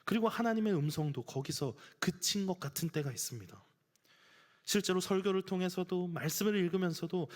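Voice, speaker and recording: A man preaching a sermon as pastor, earnest, sometimes acting out everyday scenes. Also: sits high. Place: church sanctuary. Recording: church hall reverb.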